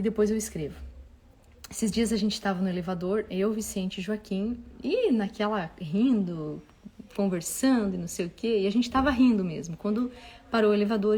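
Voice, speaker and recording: A woman giving parenting advice to an audience in a casual, expressive talk. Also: mid-range voice. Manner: expressive, acts out dialogue with children. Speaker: parenting advice speaker and mother.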